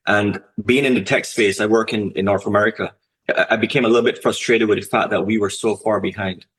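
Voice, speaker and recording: Man, from Barbados, low voice, halting, podcast guest. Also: fairly even intonation, fairly bright tone, poor audio. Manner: measured, halting with many restarts and fillers. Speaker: conference co-founder. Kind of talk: podcast interview.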